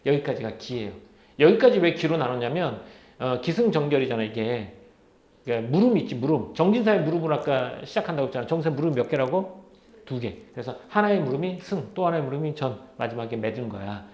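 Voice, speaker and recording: A man's voice: medium pitch, expressive, fast, a little mellow. A male teacher giving a literature lecture, firing questions at his students and answering them himself. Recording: roomy, slightly dull lecture recording.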